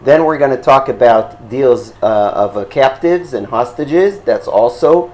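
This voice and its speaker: A male rabbi with an Israeli accent teaches in English as a non-native speaker. He lays out his points patiently but haltingly, filling gaps with "uh" and checking in with "okay?". His voice sits at an ordinary middle pitch. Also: expressive, a little mellow. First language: Hebrew. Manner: halting, with frequent fillers and checks for understanding. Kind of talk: explanatory lecture.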